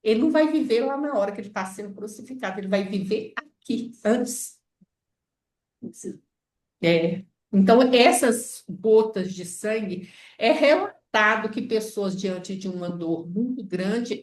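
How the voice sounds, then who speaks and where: A woman's voice: medium pitch, a little slow, far from the mic. A Brazilian woman leading an informal Bible study lesson, explaining and often checking in with her listeners. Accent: Brazilian Portuguese. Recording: echoey room, voice off-mic.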